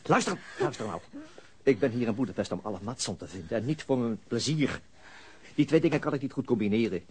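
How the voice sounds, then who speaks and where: An actor playing a reserved, self-mocking police detective with a halting way of talking, in a radio drama. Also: male voice, medium pitch, big pitch swings, darkish tone, husky. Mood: firm, uneasy. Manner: hesitant, halting. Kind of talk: Dutch radio drama acting.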